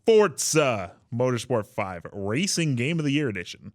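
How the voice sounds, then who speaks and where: A man's voice: medium pitch, very animated, normal speed, no room sound. A man chatting casually and jokingly as a panelist on a gaming talk show.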